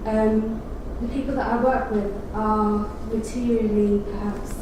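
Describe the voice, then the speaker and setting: A woman's voice: fairly high pitch, little pitch movement, unhurried. Lady in the audience asking a question, hesitant, sounds far away, very echoey. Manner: thoughtful, hesitant. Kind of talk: question from the floor. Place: lecture room with audience. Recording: distant, echoey, noisy hall.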